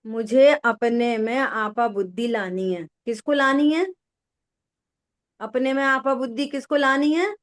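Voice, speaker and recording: Female spiritual teacher, fairly high voice, slow deliberate delivery, quizzes her listeners. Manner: asks listeners questions, repeats key words. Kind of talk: slow religious discourse with listener check-ins.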